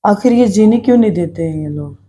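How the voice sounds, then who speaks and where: A woman's voice: mid-range voice, expressive, a little fast, mellow. A middle-aged woman talking earnestly to her viewers in a personal vlog, reflective and repeating herself as she speaks her mind. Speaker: vlogger. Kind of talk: personal vlog talk to camera.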